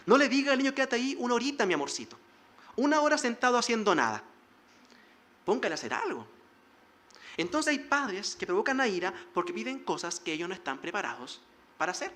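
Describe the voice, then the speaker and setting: A man's voice: extremely high pitch, sharp tone. A male pastor preaching a sermon in an earnest, exhorting way, now and then acting out short quoted exchanges. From Chile.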